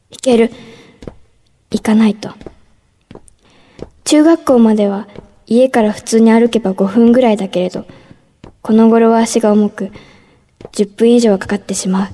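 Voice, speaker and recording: An actress voicing a timid junior-high schoolgirl, narrating her thoughts softly in a radio drama. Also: slightly rough. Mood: whispered. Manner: soft inner-monologue narration, hushed at times.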